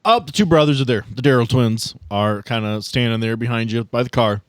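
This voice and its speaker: A man's voice: mid-range voice, a little fast, clean tone, no echo, studio quality. A man acting as game master, improvising narration and chatting casually in a tabletop role-play.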